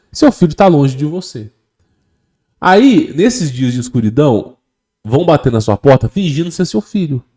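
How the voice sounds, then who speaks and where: A Brazilian man preaching in an impassioned, emphatic way, repeating key phrases for weight. His voice is mellow and dark in tone, and his pitch jumps up and down with great animation. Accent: Brazilian Portuguese. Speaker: online religious speaker. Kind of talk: impassioned religious talk.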